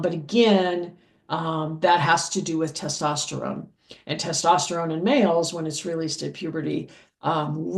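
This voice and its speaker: A woman with a deep voice for a woman, teaching anatomy in a patient lecture style, checking in with "okay?" and filling pauses with "um". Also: a little mellow. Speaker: anatomy instructor. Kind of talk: slow explanatory lecture over diagrams.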